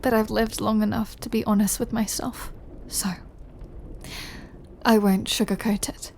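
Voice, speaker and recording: A woman playing a centuries-old vampire lover in an intimate audio roleplay, tender and brooding, speaking softly and confidingly and often dropping to a whisper. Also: medium pitch, flat delivery, a little slow, gravelly, slight background noise. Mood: brooding, honest.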